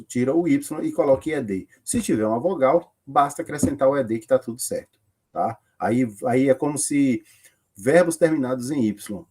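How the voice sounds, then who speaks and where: A man's voice: medium pitch, dark tone, breathy edge. A man with a Brazilian accent teaching a lesson, explaining rules step by step and answering his own questions. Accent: Brazilian Portuguese. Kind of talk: recorded classroom lesson.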